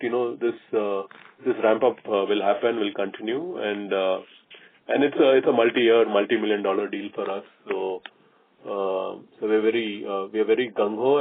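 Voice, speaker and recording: A man, a company executive answering questions on an earnings call in a halting way, repeating and restarting phrases. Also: lowish voice. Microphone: conference call line. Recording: muffled, tinny phone conference line.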